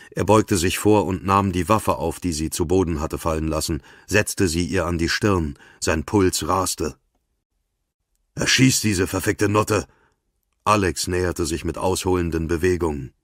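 A man's voice: low-pitched, dry recording, clean studio sound. A man narrating a thriller audiobook in terse, tense scripted prose.

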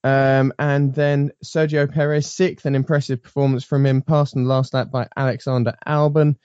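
Guy hosting a racing podcast, lots of ums, warm smooth voice, kinda lo-fi dry sound. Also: mid-range voice, level tone, normal speed, no echo. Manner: rambling, frequent ums and restarts. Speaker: podcast host. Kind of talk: casual motorsport panel chat.

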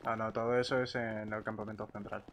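A man's voice: fairly low pitch, little pitch movement, a little fast, highs cut off, slight background noise. A man with an accent from Spain, chatting casually in online roleplay in a colloquial, joking way. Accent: Spanish, from Spain. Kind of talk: casual in-game roleplay chat.

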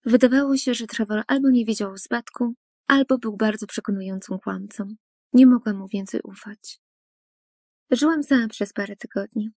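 Female storyteller with a husky, mellow voice for an animated first-person story, earnest, dry studio read. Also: on the high side, moderate pace, no room sound. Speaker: narrator.

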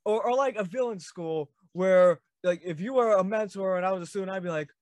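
A man's voice: high voice, fairly quick, a little mellow, dry recording. A man in his thirties hosting a video-call interview, eager and fan-like, with frequent stumbles and restarts. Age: 30s. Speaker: podcast host.

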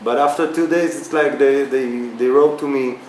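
A video remixer in his thirties with an Israeli accent answers interview questions casually, his medium-pitched speech halting with many fillers and restarts while he gestures animatedly. He sits in a small, bright indoor room; the recording is echoey with a faint background hiss.

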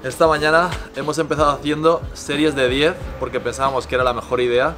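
Male vlogger, twenties, brisk and casual, outdoor camera sound, faint music bed. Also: mid-range voice, steady tone, fairly bright tone. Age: 20s. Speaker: fitness challenge vlogger. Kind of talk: casual vlog chat. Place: outdoors by a house garden. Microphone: camera a few steps away.

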